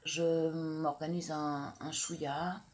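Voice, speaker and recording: A woman's voice: low-pitched, level tone, slow pace, a little mellow, a little hiss or hum. A woman reading oracle cards in a casual chatty way, hesitant, with many fillers and self-corrections. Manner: chatty, laughs at herself. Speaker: oracle card reader.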